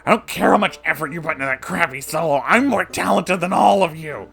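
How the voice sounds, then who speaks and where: A man acts out an entitled schoolboy in a read-aloud story. He is indignant and whiny, complaining in a raised, high-pitched shout. Soft guitar music plays behind him. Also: a little fast, vocal fry. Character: whiny entitled boy band student, jealous and indignant.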